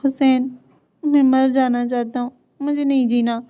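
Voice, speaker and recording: A woman's voice: high-pitched, little pitch movement, measured pace, mellow, clear, resonant tone. A woman voicing an anxious young man who stammers and pleads, in a dull lo-fi recording. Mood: pleading.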